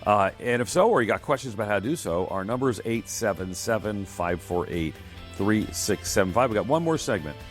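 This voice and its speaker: Host: middle-aged man, deep voice, upbeat, quick, soft music under. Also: lively intonation. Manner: upbeat, quick, repeats himself. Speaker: radio host. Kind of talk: call-in radio talk.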